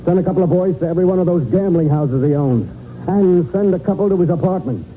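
An actor playing a hard-nosed homicide sergeant in a 1940s radio drama, clipped and commanding. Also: male voice, high voice, expressive, fast. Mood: brisk command. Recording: tinny, noisy 1940s radio recording.

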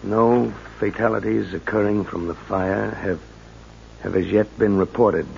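An actor playing an agitated, defiant American hired saboteur in a 1950s radio drama, blunt and tough-talking. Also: male voice, on the low side, fairly even intonation, unhurried, creaky, a little mellow. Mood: rattled. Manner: blunt, agitated, stammering under pressure. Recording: muffled, noisy 1950s radio recording.

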